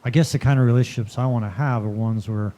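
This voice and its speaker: A man's voice: mid-range voice, fairly even intonation, fast talker, mellow. A man in the audience sharing a hesitant, reflective comment. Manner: hesitant, reflective, restarts often. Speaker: audience member.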